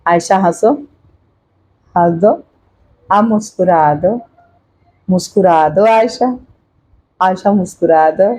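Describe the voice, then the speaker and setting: A woman's voice: on the low side, takes it slowly, long pauses, mellow, rough recording. An older woman, a grandmother vlogging at home, coaxing her baby granddaughter with repetitive sing-song baby talk into a hand-held clip-on mic. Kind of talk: home family vlog.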